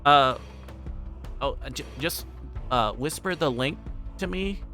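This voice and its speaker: A man livestreaming a game, reading aloud and chatting in a halting way, stumbling over words. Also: mid-range voice, expressive, sharp tone, faint music behind. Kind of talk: reading a visual novel aloud and chatting with stream viewers. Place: livestream with music playing behind.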